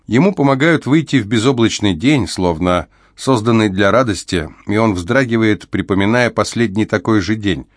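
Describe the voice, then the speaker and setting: Male audiobook narrator, low and grave, measured read, dry studio sound. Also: no room sound. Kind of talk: scripted narration.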